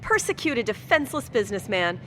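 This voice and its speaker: A woman's voice: mid-range voice, sing-song, quick pace, slight background noise, lightly acted. An actress playing a belligerent woman politician in an audio drama, sarcastic, confrontational and vengeful as she rants. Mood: scornful, accusing.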